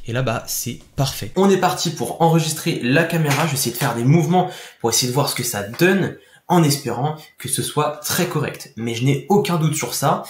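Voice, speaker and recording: Chatty, higher-voiced man reviewing gear. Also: expressive, a little fast, slight background noise. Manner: chatty, enthusiastic, peppered with little fillers. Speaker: tech reviewer. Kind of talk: casual product review. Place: home desk setup with LED lights behind him.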